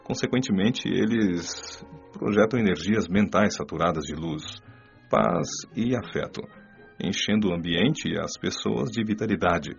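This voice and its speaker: A man plays a calm spirit guide in an audio drama, with a low, gravelly voice. He explains teachings in a formal, measured manner. The sound is slightly dull. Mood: solemn, instructive. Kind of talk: audiobook radio drama, didactic monologue. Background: music.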